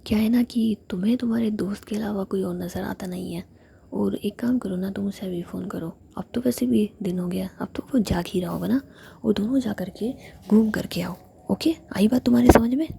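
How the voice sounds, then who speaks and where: A woman's voice: medium pitch, moderate pace, gravelly, dark tone, slight background noise. A woman voicing an angry, jealous young woman, delivering her lines in a snapping whisper.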